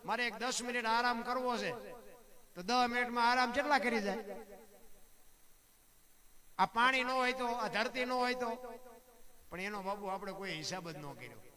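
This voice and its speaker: A man telling folk stories and giving moral talk to a live audience, animated, often calling his listeners "bapu" and posing rhetorical questions. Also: extremely high pitch. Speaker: dayro folk storyteller. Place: live stage event before a seated audience. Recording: live crowd audible behind voice.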